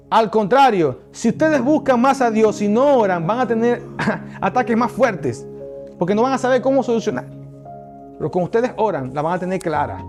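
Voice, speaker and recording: High-voiced male pastor preaching. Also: darkish tone. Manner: emphatic preaching, addresses the congregation directly. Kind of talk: sermon.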